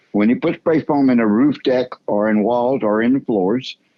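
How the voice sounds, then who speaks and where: This man has a medium-pitched voice with a South Louisiana accent. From South Louisiana, US. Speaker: pest control business owner. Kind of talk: interview. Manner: halting, many fillers and repeats.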